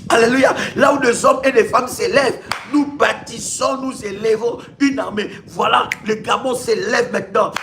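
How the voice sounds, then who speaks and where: A man's voice: very high voice, fairly even intonation, normal speed, few pauses, fairly bright tone. A man preaches as a pastor on a live stream. His delivery is emphatic and repetitive, often stumbling into restarts as he drives a point home. Faint noise sits behind him. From Congo. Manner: emphatic and repetitive, with rhetorical questions and stammered restarts. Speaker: pastor, ministry leader.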